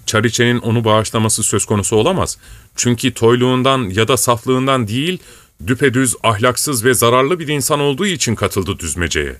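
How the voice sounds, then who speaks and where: A man voicing a calm, gracious noblewoman in an audiobook reading, speaking in a measured way. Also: mid-range voice, dry recording, natural voice. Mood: cool. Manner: measured, composed.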